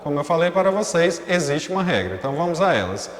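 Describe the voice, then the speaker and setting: A man's voice: on the high side, big pitch swings, fast talker. A male teacher giving a recorded class, explaining step by step and often checking in with his students. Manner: explanatory, frequent checking fillers. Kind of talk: recorded online class lesson. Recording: echoey room with long reverb.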